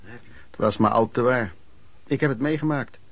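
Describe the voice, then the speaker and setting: An actor narrating a Dutch radio play as a reflective vagrant, in measured, formal, scripted sentences. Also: male voice, medium pitch, close to an everyday voice. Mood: rueful, reflective. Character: earnest, rueful vagrant narrator recalling lodging-house life.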